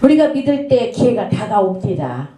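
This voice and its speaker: Here a middle-aged woman pastor gives an earnest sermon, weaving in a story and asking rhetorical questions. Her medium-pitched, warm voice is very animated but keeps a normal speed, and the church sanctuary lends an echoey sound.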